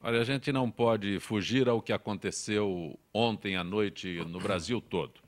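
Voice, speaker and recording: A low-voiced man hosts a panel discussion at a studio table. He sets out the topic briskly and hands the floor to guests. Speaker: host. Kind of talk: talk show moderation.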